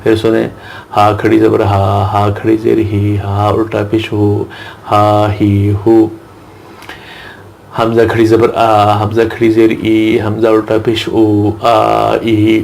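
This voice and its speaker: A male Quran reading teacher who drills letter sounds in slow, repeated chants and explains pronunciation. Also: lowish voice, creaky, darkish tone, slight background noise. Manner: recites Arabic verses slowly in a melodic chant. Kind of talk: slow drilled recitation lesson.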